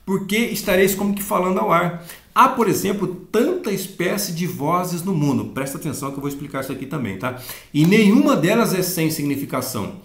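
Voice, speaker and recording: A man with a Brazilian Portuguese accent teaching a Sunday school Bible lesson, reading verses slowly and then explaining them. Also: high voice, animated, creaky, a bit bright, reverberant. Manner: explanatory, reads scripture slowly then comments.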